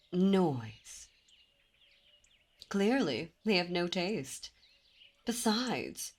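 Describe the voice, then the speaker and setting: Voiced by a woman, a haughty, commanding demon princess teases and draws her listener close in an imperious ASMR roleplay. Her voice sits a little low and unhurried, slow, while faint birdsong drifts behind her.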